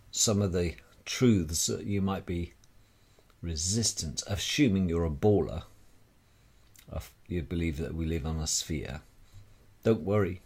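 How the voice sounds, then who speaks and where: A man delivering a rambling monologue straight to the listener in a wry, theatrical manner with deliberate dramatic pauses. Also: sits low, darkish tone. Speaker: speaker sharing personal views.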